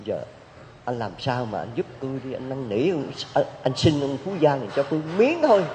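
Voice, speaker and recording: A man's voice: medium pitch, expressive, a little fast, a little mellow, slight background noise, natural voice. A man voicing a loyal city man who begs a rich master on his friend's behalf. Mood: earnest. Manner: earnest, beseeching. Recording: dull hall recording with long reverb.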